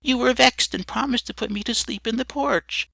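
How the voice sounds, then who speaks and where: A man's voice: extremely high pitch, moderate pace, creaky, bright, forceful tone, no room sound, pitched above the performer's own voice, heavily acted. A man putting on a meek, pleading drunkard. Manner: timid, plaintive.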